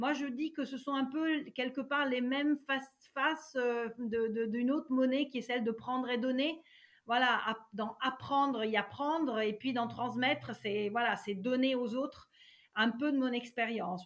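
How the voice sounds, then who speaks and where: A woman speaks at a high pitch with fairly even intonation. Her pace is fairly slow. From Italy. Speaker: railway company executive. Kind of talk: interview. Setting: remote call.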